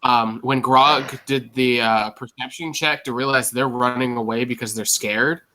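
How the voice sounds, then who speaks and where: Man, co-host, bright voice, lively recap with quick voice impressions. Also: mid-range voice. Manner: animated storytelling with quick voice impressions. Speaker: podcast co-host. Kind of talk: casual chat recapping a tabletop show. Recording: live show recording.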